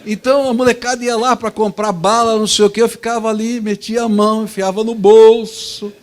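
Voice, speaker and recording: A man, a pastor preaching a sermon in a lively, conversational storytelling manner. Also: high-pitched, brisk.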